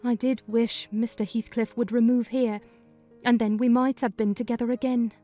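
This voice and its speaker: A woman's voice: a little high, little pitch movement, moderate pace, mellow, faint music behind, lightly acted. A woman reading a kindly, talkative older housekeeper in a dramatized audiobook. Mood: chatty. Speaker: narrator voicing housekeeper.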